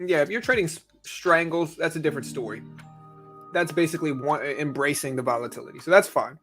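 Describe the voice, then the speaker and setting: A man's voice: on the high side, a little fast, fairly bright tone, faint music behind. A man hosting a livestream, chatting casually and informally, speaking directly to his viewers. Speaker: livestream host.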